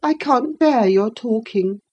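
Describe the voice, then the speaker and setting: A sickly, peevish boy whines and needles his cousin, his voice raised high above the reader's own, as a woman reading the story puts him on. He sounds frail and self-pitying, like a sulky child in a storybook. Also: expressive, takes it slowly, darkish tone, breathy edge, muffled recording, exaggerated voice. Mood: whining. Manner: petulant, whimpering.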